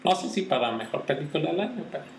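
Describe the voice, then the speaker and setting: A man's voice: a little high, very animated, fast. A man chatting casually about films on a podcast, hesitant and often restarting his sentences. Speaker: podcast co-host, film commentator. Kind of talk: casual chat. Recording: roomy echo with faint background noise.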